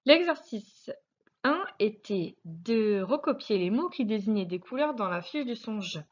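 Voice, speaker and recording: A woman teacher with a French accent, slowly and patiently correcting a spelling lesson for young pupils, sounding out syllables. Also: mid-range voice, lively intonation, dull audio. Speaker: primary school teacher.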